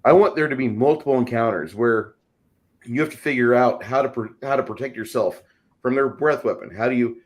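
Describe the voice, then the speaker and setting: A man's voice: mid-range voice, a little fast. A man speaking casually and at length as a panelist, opinionated and emphatic in the way he explains things. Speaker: panelist and game master. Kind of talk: casual discussion.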